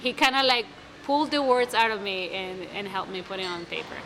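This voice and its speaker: A young woman speaking English as a second language, answering interview questions about her play in a lively, casual way with many restarts. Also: mid-range voice, a little fast, background noise. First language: not English. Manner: animated, many restarts and fillers. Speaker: playwright guest.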